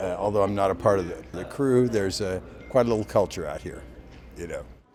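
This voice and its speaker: Music plays behind a man talking very fast. His fairly low voice swings widely in loudness. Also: ordinary pitch variation. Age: 60s. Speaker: mall walker. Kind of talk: interview.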